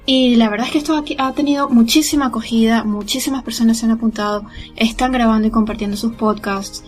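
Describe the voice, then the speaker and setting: Woman w/ a higher voice, lots of ums, chatty recorded message, faint music under it. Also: fairly even intonation, quick pace. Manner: warm, hesitant, many fillers. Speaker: podcast group organizer.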